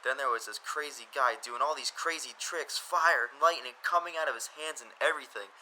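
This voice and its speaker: An actor playing an excitable young college student, casually recounting what he witnessed as an amazed eyewitness in an audio drama. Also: mid-range voice, moderate pace, slight background noise, rough recording. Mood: amazed, excited. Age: young adult.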